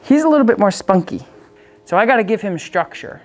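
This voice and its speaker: A woman's voice: medium pitch, lively intonation, brisk. A woman working as a dog trainer, coaching owners in a casual, chatty way and breaking off to give the dog short, upbeat commands.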